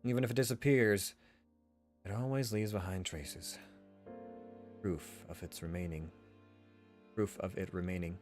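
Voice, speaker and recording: A man's voice: sits low, fairly even intonation, a little slow, pauses often. A man streaming a visual novel, reading the narration dramatically and adding casual asides. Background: faint music.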